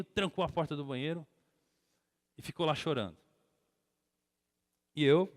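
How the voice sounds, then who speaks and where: Brazilian pastor preaching in an echoing hall. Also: male voice, mid-range voice. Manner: storytelling, acts out quotes, grows loud and emphatic. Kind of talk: sermon with personal story. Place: church hall. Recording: long church hall reverb.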